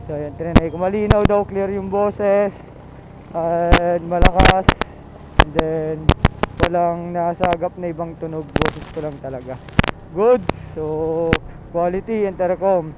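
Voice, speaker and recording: Riding his motorcycle through traffic, this Filipino vlogger chats casually with viewers and keeps repeating short phrases. He has a high voice, a steady tone, and a slow pace. Loud engine and traffic noise fill the dull, lo-fi audio.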